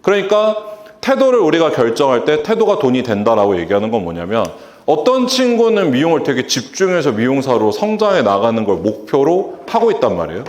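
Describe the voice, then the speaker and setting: A man's voice: mid-range voice, huge pitch swings, fairly quick, hardly any pauses, a little mellow. A man giving a public lecture to an audience, acting out quoted lines from customers and staff. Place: lecture hall. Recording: echoey lecture hall.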